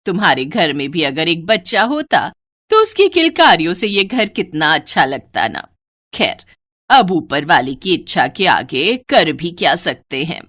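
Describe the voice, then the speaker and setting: Woman voicing a nosy, animated village aunt. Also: low voice, measured pace, voice pushed down, full character voice. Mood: pointed, nosy. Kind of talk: Hindi moral story cartoon dialogue.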